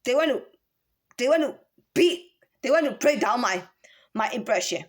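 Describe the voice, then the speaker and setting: High-voiced woman asking rhetorical questions. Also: lively intonation, normal speed. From Myanmar. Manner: rambling, full of rhetorical questions and restarts. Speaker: vlogger. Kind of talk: casual monologue to camera.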